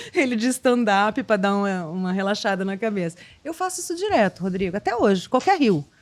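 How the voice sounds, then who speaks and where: On a very clean recording with a silent background, a woman speaks at a fairly quick pace and medium pitch, her tone animated and her intonation lively. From Brazil, Espírito Santo (Cachoeiro de Itapemirim). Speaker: TV journalist. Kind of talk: casual interview chat.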